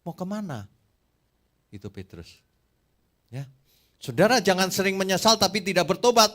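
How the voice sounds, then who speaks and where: Lively storytelling male pastor. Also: high voice, normal speed. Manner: lively storytelling with acted-out quotes. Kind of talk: sermon.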